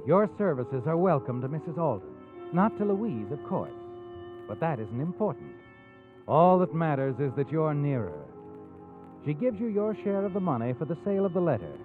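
An American man playing a sardonic, all-knowing narrator of a 1940s radio mystery, taunting and dramatic. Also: fairly high pitch. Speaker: narrator and host. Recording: tinny old radio recording, music behind. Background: music.

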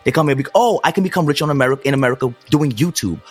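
A man's voice: mid-range voice, rapid-fire, husky, soft background music. A man co-hosting a podcast, debating heatedly, cutting in often, swearing and repeating himself to hold the floor. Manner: emphatic, interrupts, swears, repeats "listen". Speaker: podcast co-host.

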